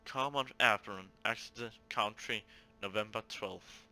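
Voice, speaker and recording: A man reading out a serious news report from a visual novel, in a slightly halting way. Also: on the low side, pushed and bright, faint music behind, exaggerated voice, rough recording. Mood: sober. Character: sober newspaper reporter on a mass killing.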